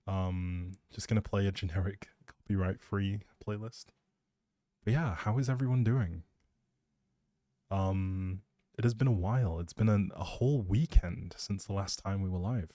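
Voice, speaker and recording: A man's voice: deep voice, unhurried, warm tone, no room sound. A man hosting a livestream, rambling casually and chattily, often breaking off mid-thought, speaking close to the mic. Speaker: live streamer, host.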